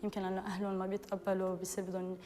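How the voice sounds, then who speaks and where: A woman's voice: medium pitch, monotone, rapid-fire, dark tone, in a large hall. A woman with a Lebanese Arabic accent, speaking matter-of-factly in a recorded interview. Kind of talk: video interview testimony.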